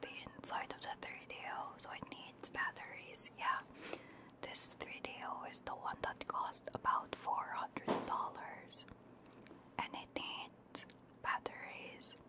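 A woman streaming ASMR, chatting casually in a soft, hushed, breathy whisper close to a binaural microphone while sick with a cold. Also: unhurried. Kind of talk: ASMR, casual livestream chat. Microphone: close binaural ear microphone.

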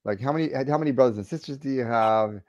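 Guy hosting a podcast, mellow voice, dry slightly muffled sound, rambles n restarts questions. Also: mid-range voice, fast talker, no echo. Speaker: podcast host. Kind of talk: casual interview.

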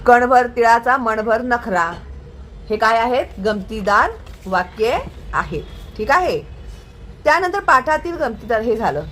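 A woman teaching a children's lesson, speaking slowly and patiently and checking often that the listener follows. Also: on the high side, lively intonation, fairly bright tone, slight background noise. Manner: patient, slow and singsong, checking understanding often. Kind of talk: Marathi lesson for young children.

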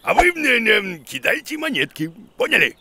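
Gravelly stubborn cartoon monster teacher, blustery, all over the place, hems and haws. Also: male voice, high-pitched, sing-song, normal speed, background noise. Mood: huffy, boastful. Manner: blustering, hesitant with many filler grunts. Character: boastful, stubborn, bumbling male bearded creature teacher. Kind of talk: children's educational cartoon dialogue.

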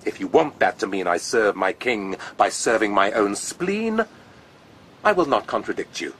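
Pompous, sly army commander. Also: male voice, fairly low pitch, sing-song, normal speed, fairly bright tone, a little hiss or hum. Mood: coolly menacing. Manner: pompous, drawling, coolly sardonic. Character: haughty, sly, spiteful aristocratic army commander. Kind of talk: radio drama acting.

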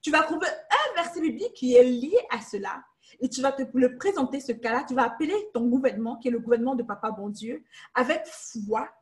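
A young woman with a slightly high voice leads a Bible study, seated in her living room and speaking into a webcam. She teaches with emphasis, repeating key phrases over and over and dropping in English words as she goes. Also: animated, a little fast. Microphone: webcam on a video call.

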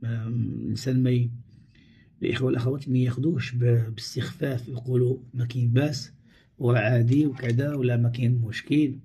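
Man, Moroccan Arabic accent, live-stream Q&A host, husky, mellow dark tone. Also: medium pitch, fairly even intonation, fast talker. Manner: reads out viewer questions, then answers with frequent pious phrases and restarts. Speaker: Islamic healer answering live questions.

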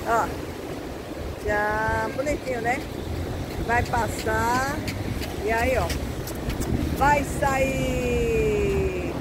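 A woman, chatting casually to viewers while walking along a seaside promenade at night, holding the camera at arm's length. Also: a little high. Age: 60s. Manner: chatty, pointing things out to viewers while strolling. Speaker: vlogger. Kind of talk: casual walking vlog narration. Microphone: camera held at arm's length. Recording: loud wind and traffic noise outdoors.

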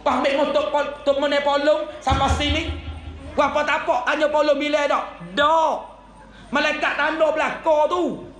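A man's voice: extremely high pitch, level tone, normal speed, a bit bright, faint music behind. A man preaching a sermon as a religious teacher, with a Kelantan-Patani Malay accent, telling it as a story and dropping his voice for drama. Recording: echoey room.

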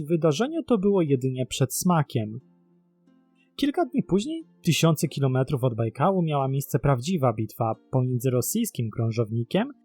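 A man's voice: mid-range voice, darkish tone, husky, no room sound. A man narrating a scripted documentary about mysteries in a dramatic storytelling manner. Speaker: narrator of a mystery web series.

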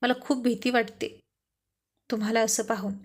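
A woman playing a young, devoted wife with a spirited, teasing streak. She speaks in earnest, emotional storybook dialogue. Her voice is slightly high. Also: fairly even intonation, normal speed.

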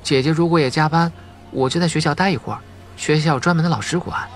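Man voicing an innocent schoolgirl, pitched up. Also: fast, faint music behind, close to an everyday voice. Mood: matter-of-fact, indignant. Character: innocent, earnest young schoolgirl. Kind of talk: audiobook character dialogue.

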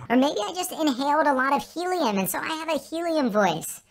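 A man speaking through a voice changer that shifts him up into a squeaky helium or baby voice. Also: lively intonation, brisk, creaky, exaggerated voice. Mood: silly. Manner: squeaky, high-pitched. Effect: software voice changer, high pitch shift.

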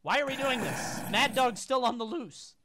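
A man's voice: extremely high pitch, lively intonation, moderate pace, noisy background. A man in his twenties giving casual, playful live game commentary, often repeating short phrases, on a close mic. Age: 20s. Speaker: game streamer. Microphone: boom mic close by, with headset.

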